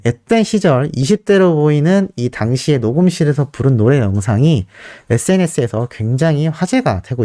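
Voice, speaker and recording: A man hosting a fan news channel, reading celebrity news in an earnest, lively way and asking the viewers questions. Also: on the high side, no room sound, clean studio sound. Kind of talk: scripted celebrity news narration.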